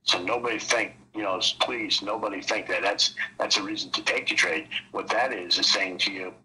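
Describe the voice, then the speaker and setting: A man's voice: fairly low pitch, fairly even intonation, normal speed, pushed and bright, slight background noise, poor audio. A man explaining trading casually on a call, rambling and leaning on "you know" between thoughts. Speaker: trading mentor.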